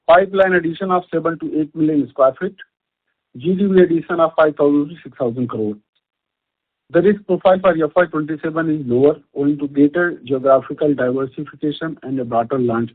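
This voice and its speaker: A man with an Indian accent reads a scripted corporate earnings presentation as a company executive, formal and measured, over a conference call line. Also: on the high side, breathy edge. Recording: muffled band-limited conference call audio.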